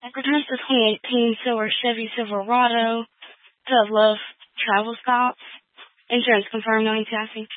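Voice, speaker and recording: A woman's voice: a little high, little pitch movement, normal speed, dry recording. A woman working as a police radio dispatcher, reading back records in terse, businesslike, clipped phrases. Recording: narrow, tinny police radio channel.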